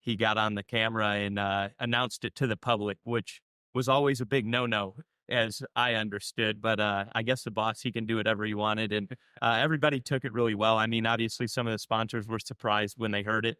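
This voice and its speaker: A man's voice: fairly low pitch, steady tone, brisk, pushed and bright, smooth, dry recording. Young guy driver, easygoing and upbeat, plain mid voice, dry. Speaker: drag racing driver, guest. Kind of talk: casual interview answers.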